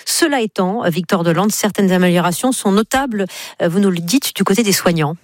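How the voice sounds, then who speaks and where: A woman presenting a radio news bulletin in a measured, formal way. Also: mid-range voice, dry recording. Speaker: news anchor. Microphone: studio microphone.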